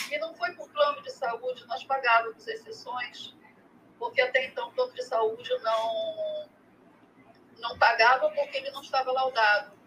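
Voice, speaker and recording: Her pitch high, a woman speaks at a fairly slow pace with big swings in loudness. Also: ordinary pitch variation. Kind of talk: testimony. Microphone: poor connection.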